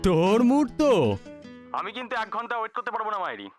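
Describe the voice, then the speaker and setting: A man's voice: high voice, sing-song, quick pace, soft background music. An actor playing an impatient young man who presses a friend to meet him, in film dialogue. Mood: insistent. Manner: insistent, coaxing. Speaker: film character.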